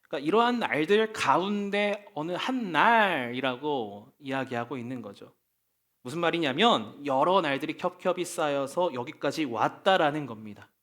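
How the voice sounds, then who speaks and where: A man's voice: fairly high pitch, animated, normal speed, fairly bright tone. A male pastor giving a conversational sermon at a church prayer meeting, asking rhetorical questions.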